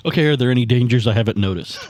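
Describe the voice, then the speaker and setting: A man's voice: medium pitch, very fast, darkish tone, dry recording. A man chatting casually as a player in a tabletop game, thinking aloud in informal, sweary language.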